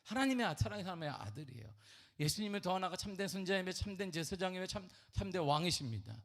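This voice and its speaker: A man preaching a sermon at a church prayer meeting, with animated rhetorical questions and sudden drops to a near whisper. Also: high-pitched, fast talker. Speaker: pastor. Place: church sanctuary.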